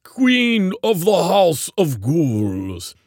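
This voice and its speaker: A man's voice: fairly high pitch, huge pitch swings, extremely slow, no room sound, clean studio sound, pitched above the performer's own voice, full character voice. A man voicing a haughty, bullying ghoulish underling in a storybook, with a growling, commanding delivery.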